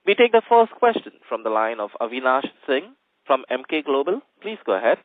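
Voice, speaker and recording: A man's voice: mid-range voice, sing-song, fairly quick, no echo. A man working as a conference call operator, making scripted announcements. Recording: dry, narrow phone line.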